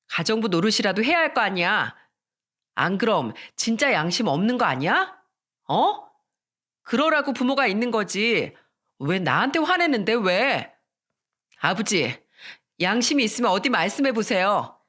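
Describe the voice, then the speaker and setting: A reader voicing a defiant wife who yells back at her husband in a storybook radio drama. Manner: shrill, defiant yelling. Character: defiant wife, shouting back in a family fight.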